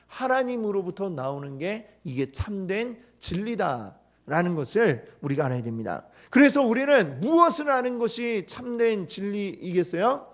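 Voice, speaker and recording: A male pastor with a high-pitched voice gives a teaching sermon in church. He frequently puts questions to the congregation and retells the story with lively quoted lines.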